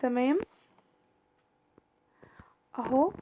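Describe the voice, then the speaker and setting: A young woman vlogger with an Egyptian accent, chatting casually at home while showing her things, her voice tired from a recent illness, full of drawn-out fillers and restarts, filmed on a handheld camera. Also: sits high, narrow, tinny audio, slight background noise. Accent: Egyptian Arabic. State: tired voice, still recovering from illness. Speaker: lifestyle vlogger. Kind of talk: casual product showcase chat.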